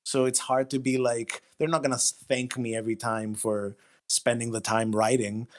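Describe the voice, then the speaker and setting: A man in his thirties speaking candidly and casually as an interview guest, with a halting, self-effacing manner. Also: medium pitch, flat delivery. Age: 30s.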